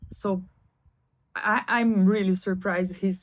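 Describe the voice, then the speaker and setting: A woman with a non-native accent, fairly slow, in a monotone, flat intonation. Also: very clean recording, silent background. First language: not English. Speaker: vlogger. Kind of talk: casual vlog monologue. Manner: halting.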